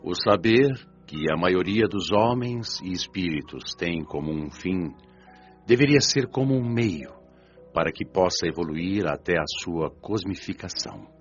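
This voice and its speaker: A man's voice: deep voice, expressive, measured pace. An actor with a Brazilian accent playing a prudent, comforting middle-aged father, speaking solemnly in a radio drama. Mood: solemn, wise. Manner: solemn, reassuring. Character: wise, prudent, comforting father of a grown daughter. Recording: lo-fi band-limited audio, music behind. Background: music.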